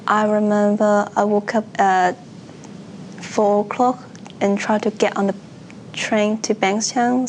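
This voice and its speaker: Slow, hesitant woman. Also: medium pitch, gravelly, a little hiss or hum. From Hong Kong. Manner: hesitant, with restarts and fillers. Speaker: nursing student. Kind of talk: personal account for a university video.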